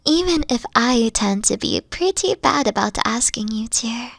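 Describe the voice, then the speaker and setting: A woman voicing a gentle, insecure young three-tailed kitsune girlfriend in an ASMR roleplay, speaking softly with frequent whispers and sighs. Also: a little high, animated, a little slow, creaky, no room sound, studio quality, full character voice. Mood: tender, affectionate. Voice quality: soft, whispery, sighing. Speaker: team lead.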